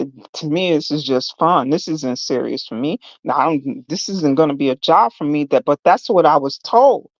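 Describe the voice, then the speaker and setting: Against a quiet background, a woman with a very deep, low pitch speaks in an animated tone, the sound dry and close with no echo. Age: 60s. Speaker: YouTube content creator. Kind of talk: casual chat.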